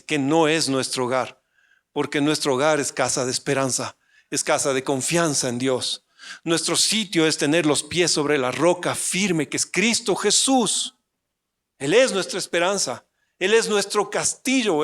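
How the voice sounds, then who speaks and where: A male pastor from Ecuador preaching a sermon in a fairly high voice. He puts questions to the listeners and acts out the voices of the story, now loud and high, now low and soft. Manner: dramatic, acts out voices of God and the prophet with swings of pitch and loudness.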